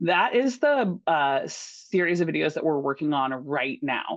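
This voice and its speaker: An ordinary speaking voice at a moderate pace. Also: woman. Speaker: civics education lead running a teacher onboarding. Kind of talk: online presentation to teachers. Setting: video call.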